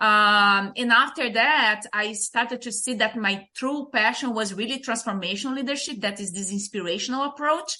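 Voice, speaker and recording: This woman, with a Brazilian accent, speaks at a moderate pace with hardly any pauses, a fairly high pitch, ordinary pitch variation and a bright, sharp tone. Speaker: leadership trainer. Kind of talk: podcast interview. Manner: halting.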